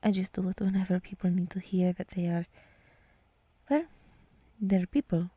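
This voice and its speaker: A woman voicing a gentle, soothing deer woman who guides meditation in a whispered ASMR roleplay, speaking softly and reassuringly close to the microphone. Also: lowish voice, steady tone, dry recording. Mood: gently teasing. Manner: slow, soft, breathy, reassuring. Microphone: close microphone, dry.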